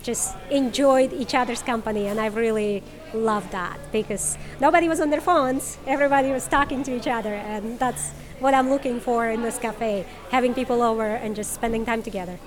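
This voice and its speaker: A woman's voice: fairly high pitch, fairly quick, few pauses, over music. A woman from Ukraine, a cafe owner, answering a reporter's questions outdoors on a street in a friendly, earnest way.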